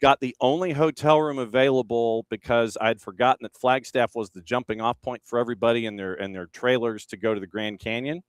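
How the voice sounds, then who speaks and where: Male sports radio host, smooth voice, dry close sound, relaxed storyteller. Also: mid-range voice, fairly quick, hardly any pauses, no echo. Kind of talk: casual radio chat.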